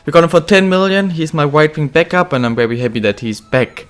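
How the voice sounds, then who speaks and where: A man's voice: on the high side, a little fast. A young man with a slightly ill voice, talking through a football career-mode game in casual, rambling commentary full of fillers and self-corrections. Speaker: gaming video host.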